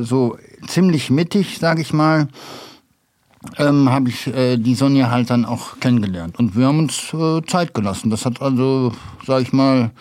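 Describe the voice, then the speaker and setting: A man in his fifties tells his story haltingly, with many pauses. His mid-pitched voice sounds dry and close. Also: a little mellow, no room sound. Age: 50s. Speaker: interview guest. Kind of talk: casual personal account.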